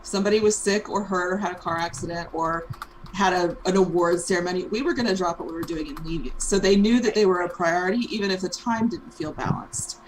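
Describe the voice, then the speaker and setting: A woman in her fifties co-hosting a business show, talking in a thoughtful, even way with frequent ums. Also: lowish voice, fast talker, a little hiss or hum, low-quality recording. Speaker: co-host and franchise owner. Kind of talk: casual chat.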